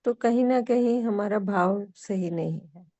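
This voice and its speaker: A woman teacher giving a calm, unhurried spiritual lesson and explaining ideas gently to her class. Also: medium pitch, highs cut off.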